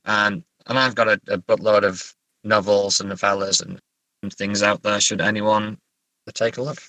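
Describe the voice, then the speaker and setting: Bright-voiced man chatting as interview guest. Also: on the low side, level tone, normal speed, no echo, poor audio. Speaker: guest author. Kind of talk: casual interview chat.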